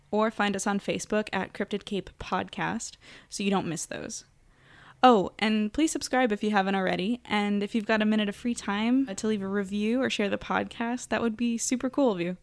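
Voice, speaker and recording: A woman's voice: mid-range voice, dry recording. A woman hosting a podcast, giving a friendly, informal scripted announcement. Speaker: podcast host and voice actor.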